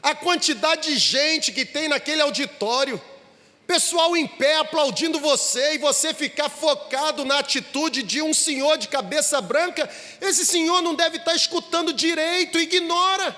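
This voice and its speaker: Man voicing a father figure, Brazilian accent, very high voice, pleading and emphatic, reverberant church hall. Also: moderate pace, hardly any pauses, sharp tone. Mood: coaxing. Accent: Brazilian Portuguese. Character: proud consoling father of a young boy.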